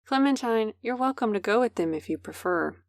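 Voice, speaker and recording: A woman's voice: on the high side, lively intonation, fairly quick, no echo, clean studio sound. A woman as a poised, courteous city official. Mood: polite, cool. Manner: polished, formal, gracious. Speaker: voice actor. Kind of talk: audio drama acting.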